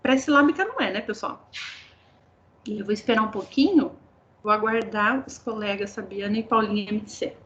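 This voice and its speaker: A woman's voice: mid-range voice, a little fast, fairly bright tone, slight background noise. A woman with a Brazilian Portuguese accent leads a teacher training session online, explaining students' written work and often checking in with her audience. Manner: explanatory, addresses audience as pessoal. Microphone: video call. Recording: dull lo-fi call audio.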